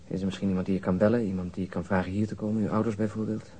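An actor playing a sober, weary police detective in a radio crime drama, terse and subdued. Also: male voice, sits low, little pitch movement, very fast, mellow, slight background noise, lightly acted. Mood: gentle, grave. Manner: terse, matter-of-fact, subdued.

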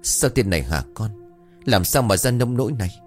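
A man's voice: fairly low pitch, expressive, normal speed, soft background music, pitched above the performer's own voice, lightly acted. Man reading as a frantic pleading mother. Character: frantic mother of a possessed girl.

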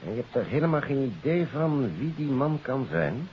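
An actor playing an earnest, courteous police investigator in a 1950s radio drama, with a formal, deliberate and emphatic delivery. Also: male voice, mid-range voice, very animated, close to an everyday voice. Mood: puzzled. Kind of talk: 1950s Dutch radio detective drama acting. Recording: dull, hissy 1950s radio recording.

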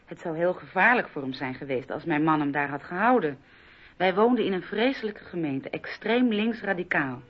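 Guarded bourgeois wife, slightly muffled. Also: female voice, fairly low pitch, expressive, normal speed. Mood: guarded, self-justifying. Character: cautious married bourgeois woman recounting a dangerous visit. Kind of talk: radio drama testimony. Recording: dull lo-fi radio recording.

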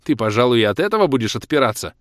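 A man's voice: mid-range voice, expressive, normal speed, a bit bright, dry recording, clean studio sound, natural voice. A man voicing a jealous, furious young man who hurls accusations at his lover in a raised, scornful voice. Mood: angry. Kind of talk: audiobook character reading.

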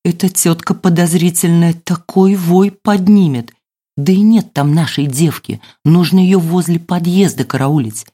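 A woman reader voicing a gruff, irritated man in black, the shorter of two intruders, in an audiobook. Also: lowish voice, measured pace, mellow. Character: gruff stocky male thug, the shorter one.

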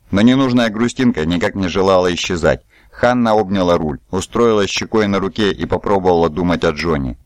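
A man narrating a novel in an even, storytelling way. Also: low-pitched, no room sound, studio quality. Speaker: audiobook narrator. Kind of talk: scripted narration.

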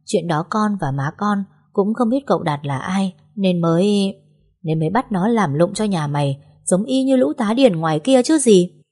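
A woman voicing a harsh older mother-in-law, sharp and contemptuous. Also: mid-range voice, expressive, moderate pace, natural voice. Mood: scornful.

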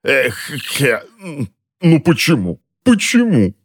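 A man reading an audiobook and voicing a cursed, tormented middle-aged uncle who snarls, whines and wails in a shrill, strained voice. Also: very animated, normal speed, a little mellow. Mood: wailing, pleading. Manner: shrill, wailing, pleading.

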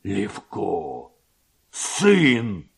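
A man voicing a bossy, blustering village headman and stern father in a dramatic story reading, loud and commanding. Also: fairly low pitch, wildly swooping pitch, extremely slow, creaky, husky, exaggerated voice. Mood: stunned.

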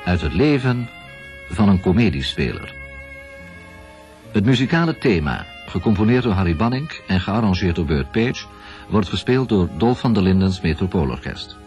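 A man's voice: deep voice, big pitch swings, moderate pace, darkish tone, faint music behind. A man reading scripted programme credits as a radio announcer. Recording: dull 1970s radio broadcast.

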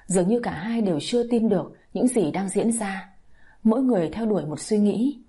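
A woman narrating a scripted story in a calm, even storytelling manner. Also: mid-range voice, brisk, slightly rough.

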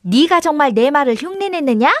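A woman's voice: sits high, expressive, fairly quick, no echo, clean studio sound, voice pushed up. Woman voicing a small white mimicking goat.

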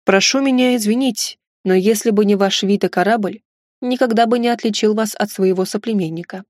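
A woman's voice: medium pitch, fairly quick, a little mellow, no echo, studio quality, lightly acted. A woman reading the part of a dignified Chinese military commander in an audiobook, speaking formally.

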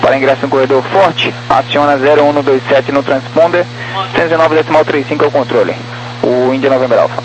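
A man's voice: mid-range voice, fairly even intonation, muffled recording. A man working as an air traffic controller, giving clipped, procedural instructions over a crackly, military-sounding radio. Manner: rapid, procedural delivery. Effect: crackly military-style radio transmission. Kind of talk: clipped aviation radio phraseology. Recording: crackly aviation radio with hum.

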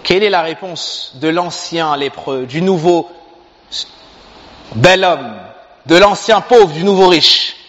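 A man preaching a sermon as a story, animated and asking his listeners questions. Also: on the high side, takes it slowly, long pauses. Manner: animated, asks the audience questions. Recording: reverberant hall, dull sound.

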